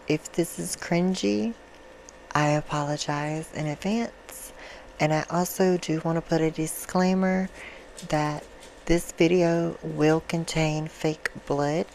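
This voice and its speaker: Low-pitched woman giving a casual intro. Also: a little mellow, poor audio. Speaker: ASMR video creator. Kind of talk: casual direct-to-camera intro. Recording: clear background noise.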